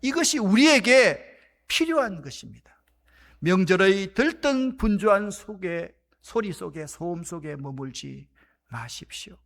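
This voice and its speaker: A man preaching a sermon as pastor, shouting out acted quotes and then dropping to hushed whispers. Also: high voice, lively intonation, unhurried, creaky. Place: church sanctuary.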